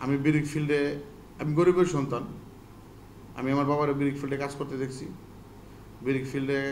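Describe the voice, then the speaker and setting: Light background noise behind a man's fairly high voice, monotone and flat in intonation. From Bangladesh, Narayanganj (Siddhirganj); Bangladesh. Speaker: local politician, ward councillor. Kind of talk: interview. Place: office.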